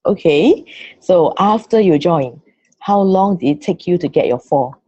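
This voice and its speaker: A woman's voice: lowish voice, lively intonation, measured pace, mellow, slightly rough, dry recording. A woman hosting an interview on a team call, encouraging the guest with frequent short "mm" and "okay, okay" replies. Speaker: interviewer host. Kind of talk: casual interview. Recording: dull lo-fi call audio.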